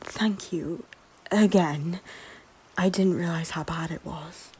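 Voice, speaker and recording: A woman playing a guilt-ridden, wounded but proud deposed queen in an audio drama, hesitant and breathy, often dropping towards a whisper. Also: lowish voice, slow pace, a little mellow, slight background noise, poor audio. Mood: subdued, grateful. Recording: music under the voice. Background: music.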